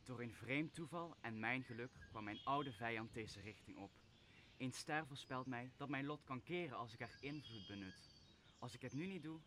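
A man's voice: medium pitch, bright, forceful tone, slight background noise. Young man playing a brooding exiled sorcerer, solemn. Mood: grave, fond. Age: young adult. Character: wronged exiled sorcerer master, brooding and commanding, father figure. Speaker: drama student actor. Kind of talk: Dutch radio play, Shakespeare adaptation.

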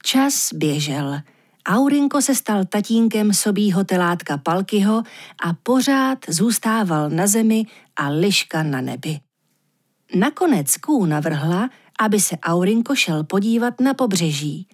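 A woman narrating a fairy tale in a calm, measured audiobook reading. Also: medium pitch, breathy edge. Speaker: storyteller.

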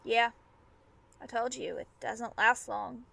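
A woman's voice: on the high side, slow, vocal fry, fairly bright tone, full character voice. A woman playing a trusting, loyal young student in an audio drama, speaking in an earnest, reassuring way. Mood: casual, earnest.

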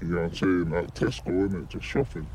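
An anonymous interviewee in a documentary, a man whose voice is disguised and pitched down, talking in a cocky, smug way. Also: quick pace, a little mellow, a little hiss or hum. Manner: cocky, smug street talk. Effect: disguised voice, pitched down deep.

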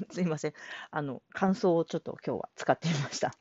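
A woman's voice: sits low, moderate pace, darkish tone, husky, no room sound. A woman hosting her own casual solo talk show, chatty and self-deprecating, laughing often as she rambles. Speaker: solo audio show host. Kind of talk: casual spoken monologue. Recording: dull lo-fi dry recording.

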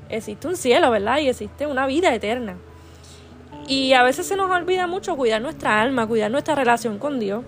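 Female podcast host, higher voice, affectionate and earnest devotional delivery, quiet music bed. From Puerto Rico. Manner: earnest and affectionate, with constant "¿verdad?" tags and restarts. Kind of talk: heartfelt devotional talk.

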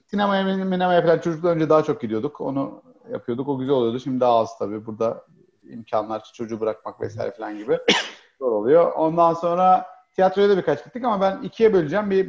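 Fast-talking man, hesitant and rambling. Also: on the high side, gravelly, darkish tone, lo-fi sound. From Turkey. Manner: rambling, hesitant, many fillers. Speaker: guest. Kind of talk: casual chat.

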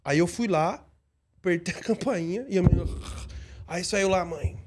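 A man, hosting a casual podcast chat, telling animated stories and acting out voices. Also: high-pitched, moderate pace, noisy background. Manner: animated storyteller, acts out voices and laughs often. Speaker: podcast host and app driver.

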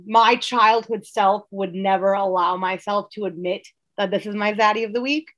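A woman's voice: mid-range voice, fairly even intonation, moderate pace, fairly bright tone. A woman in her thirties co-hosting a podcast, talking casually and conversationally. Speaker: podcast host.

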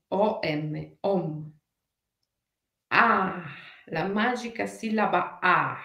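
Slow-chanting woman meditation teacher, roomy. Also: medium pitch. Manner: slow, drawn-out chanting of syllables; answers viewers' comments by name. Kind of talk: guided spiritual lesson with chanting. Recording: roomy echo.

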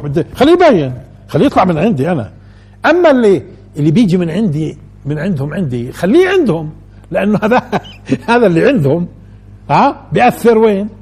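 A man gives a colloquial lesson on scripture, talking quickly in a fairly high, husky voice. He keeps turning to his listeners with rhetorical questions. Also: darkish tone. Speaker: religious teacher.

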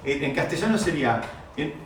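A man's voice: on the high side, animated, a little fast. A man teaching a Torah class, explaining step by step and asking his listeners rhetorical questions. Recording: very echoey room, distant mic, faint noise.

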